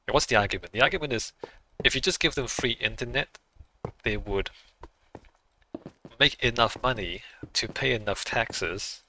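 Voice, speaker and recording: A man's voice: fairly low pitch, pushed and bright, slight background noise, rough recording. A man who is not a native English speaker, chatting casually on a game livestream, thinking aloud and musing with small laughs.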